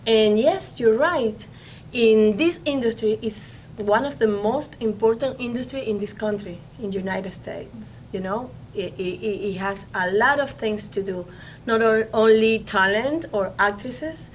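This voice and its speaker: In a studio interview, a Venezuelan woman whose first language is Spanish discusses her job as a film producer, her English halting, full of restarts and repeated words. Her voice is fairly high, and the rough recording carries a little hiss or hum.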